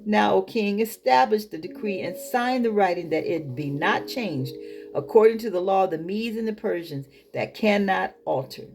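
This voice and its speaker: A woman's voice: mid-range voice, animated, normal speed, a little mellow, faint music behind. A woman reading scripture aloud as a Bible teacher, breaking off into informal, emphatic comments of her own. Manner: colloquial, emphatic asides.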